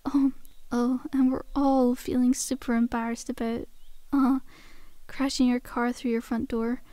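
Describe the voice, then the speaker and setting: Woman playing a high-voiced, chatty zombie girl. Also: flat delivery, unhurried, dark tone, dry recording, lightly acted. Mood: nervous, backpedaling. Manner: casual, teasing, conversational with sighs and hesitations. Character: chatty, cajoling undead zombie girl, cheeky and falsely friendly. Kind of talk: ASMR roleplay monologue.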